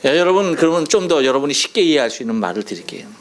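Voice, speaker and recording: A man's voice: a little high, big pitch swings, rapid-fire, crowd noise. A male pastor from Chungcheong preaching a sermon in a playful, storytelling way, mimicking dialect phrases. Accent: Chungcheong Korean. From Chungcheong, South Korea. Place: church sanctuary.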